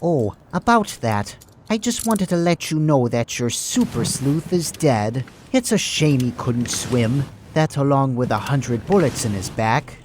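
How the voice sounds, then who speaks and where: Over clear background noise, a genteel, sinister male crime boss speaks slowly , acted by a woman. His delivery is mock-polite and gloating, swinging theatrically in pitch as in a radio play. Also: animated. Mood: smug, menacing. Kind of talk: audio drama acting.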